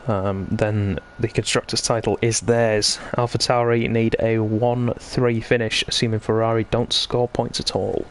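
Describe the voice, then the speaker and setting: A man's voice: lowish voice, little pitch movement, unhurried, hardly any pauses, slight background noise. A man hosting live esports racing commentary in a chatty, conversational way, bantering with his co-commentator. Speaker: sim racing commentator and host.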